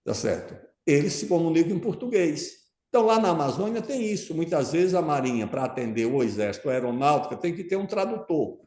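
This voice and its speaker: A man's voice: on the high side, very animated, a little fast, mellow. A man answering as an interview guest, explaining his views at length and emphatically, often checking in with his listener. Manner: emphatic, keeps checking in with "tá certo?". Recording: roomy echo.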